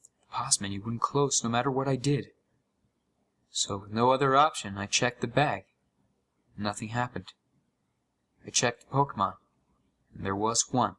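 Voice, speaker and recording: A man playing a haunted gamer, narrating a scripted horror story with deliberate, dramatic pauses full of dread. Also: medium pitch, bright, forceful tone, lightly acted. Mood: stunned dread.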